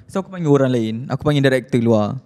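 A man's voice: mid-range voice, lively intonation, quick pace, mellow. A young man chatting casually on a podcast, talking in a laid-back, slangy and candid way. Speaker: podcast co-host. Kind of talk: casual chat. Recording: long hall reverb.

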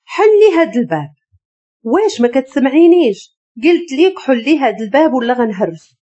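An arrogant, domineering young husband with a Moroccan accent, cold and commanding, as a woman storyteller puts him on. The voice stays husky and mellow, with a lively rise and fall. It is an audio story. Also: a little high, brisk, dull audio. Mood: harsh.

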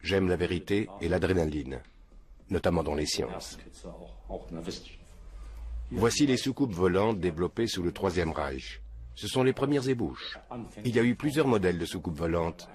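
Older man with a very deep, level voice. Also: animated, normal speed, pauses often, a little mellow. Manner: matter-of-fact, earnest, unshaken by questions. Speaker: interviewee. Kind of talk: documentary interview. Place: small room indoors, seated at a desk. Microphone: film crew mic off camera.

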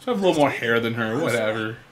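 A man's voice: medium pitch, animated, rapid-fire, faint music behind. A man giving casual, joking game commentary in a silly, sarcastic manner.

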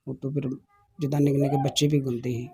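A man, a folk singer answering interview questions in a humble, soft-spoken way and often agreeing with "haanji". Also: medium pitch, little pitch movement, rapid-fire, a little hiss or hum. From Punjab, India.

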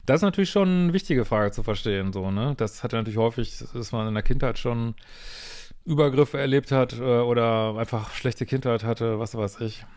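A male psychologist with a mid-range, slightly mellow voice responds to a viewer's letter in casual, blunt language. He sounds exasperated, swears freely, restarts haltingly, and leans on tag questions.

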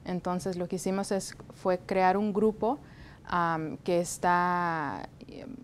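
A young woman from the United States, a health department guest in a studio interview, speaking in a measured way with many hesitation fillers, on a lapel mic. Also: on the low side, fairly even intonation, slight background noise. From United States (Texas, raised in Florida). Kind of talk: interview answers. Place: TV studio set.

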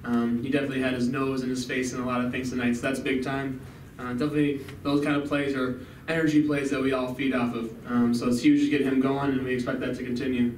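A man's voice: mid-range voice, little pitch movement, fast. A young male college basketball player answering postgame press questions steadily, with frequent "um, you know.". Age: young adult. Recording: echoey room, mic at a distance, background noise.

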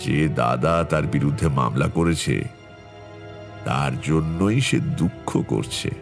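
An actor playing a middle-aged tantric astrologer, narrating his past in a measured, reflective way for a horror audio story. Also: a bass voice, animated, vocal fry, heavily acted. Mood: measured, somber. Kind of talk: dramatic first-person horror story narration. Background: background music.

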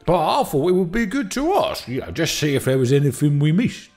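A man plays an excitable, folksy older working man in a radio play. His voice is high and gravelly, with huge swings of pitch. He stammers and rambles good-naturedly over faint music. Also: a little fast. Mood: sheepish. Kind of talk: audio drama acting.

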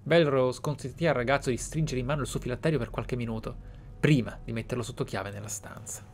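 A man from Italy reading and commenting on a video game in a measured, musing way. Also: medium pitch, vocal fry. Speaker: gameplay streamer. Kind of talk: reading game texts aloud and roleplay commentary.

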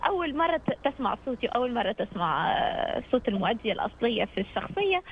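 A woman's voice: on the high side, big pitch swings, very fast. A nineteen-year-old woman with a Tunisian accent speaks casually and hesitantly as a guest on a radio phone-in. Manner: hesitant, searching for words. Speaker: phone-in guest, amateur voice actor. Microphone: phone call. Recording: dull phone line with noise.

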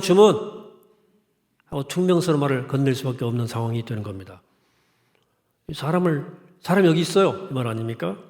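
A man's voice: fairly high pitch, gravelly, darkish tone. A middle-aged male pastor giving a sermon in a conversational way, asking the congregation questions and reading scripture in a formal cadence. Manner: conversational preaching with rhetorical questions.

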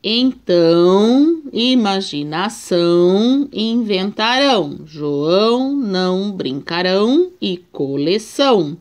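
Teaching young children to read remotely, a Brazilian woman with a Brazilian Portuguese accent patiently stretches out each syllable as their primary school teacher. She speaks slowly, animated and a little mellow, at a medium pitch.

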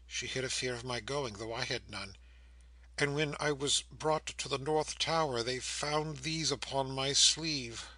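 A man voicing a bewildered, broken, white-haired old prisoner who speaks in halting, repeated exclamations and questions in an audiobook. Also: mid-range voice, bright, forceful tone, low-quality recording. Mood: wistful remembering.

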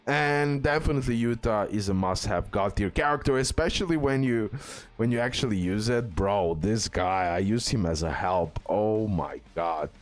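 A man's voice: on the low side, moderate pace. A man giving casual, hyped commentary on a game tier list, in an informal way full of emphatic superlatives. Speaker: gaming YouTuber. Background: background music.

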